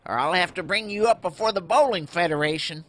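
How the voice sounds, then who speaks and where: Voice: mid-range voice, quick pace, no echo, lightly acted. A performer voicing a wary, wisecracking rat hoodlum in a comic audio drama, sardonic and given to stammering. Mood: wary, needling.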